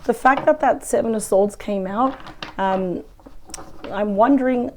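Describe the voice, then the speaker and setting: A woman with a weak, croaky voice from a cold, chatting through a weekly tarot reading. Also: on the high side, a little slow, darkish tone, slight background noise. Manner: chatty, thinks aloud over the cards. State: hoarse from a cold. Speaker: tarot reader. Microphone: close microphone.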